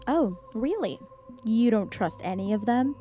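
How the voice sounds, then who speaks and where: Woman acting higher-voiced, trusting young woman. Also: expressive, measured pace, mellow, soft background music. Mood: doubtful, teasing. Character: trusting, questioning young woman in her twenties. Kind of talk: audio drama acting.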